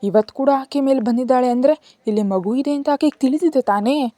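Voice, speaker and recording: An earnest, anxious young woman, as a woman storyteller puts her on, pressing with questions. Her voice rides noticeably higher than the narration, with a mellow, dark colour. The sound is close and dry. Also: a little fast, no echo, close to an everyday voice.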